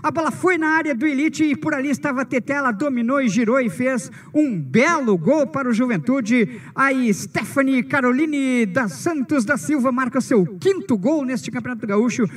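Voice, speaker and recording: A man recapping football goals in an animated broadcast report. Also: very high voice, normal speed. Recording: distant-sounding broadcast audio.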